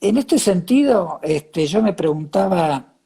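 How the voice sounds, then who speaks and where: A man with a Cordoba Argentine accent in a reflective interview conversation, haltingly repeating words as he searches for his phrasing. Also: high voice, expressive, vocal fry, mellow.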